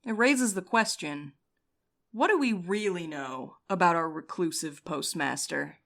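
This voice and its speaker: A woman voicing a composed, wry courier in an audio drama, calmly taking charge and teasing the others. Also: on the low side, a little slow, creaky, exaggerated voice. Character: dry, scheming woman courier, coolly in charge. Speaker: night courier Val.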